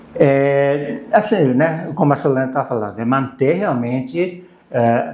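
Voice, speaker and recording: A man with a Japanese accent speaks at a very slow pace and a fairly high pitch. Audible room echo and noticeable background noise surround him. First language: Japanese (speaking Portuguese). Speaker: professor. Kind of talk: casual chat. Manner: halting.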